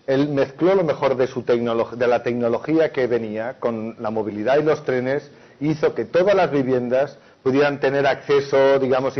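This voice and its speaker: A man reasons aloud on a panel, restarting words and checking in with his listeners. His pitch sits in the middle range. The audio is muffled, like a lo-fi conference recording. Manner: thoughtful, restarts words, tags with "¿no?". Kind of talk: panel discussion.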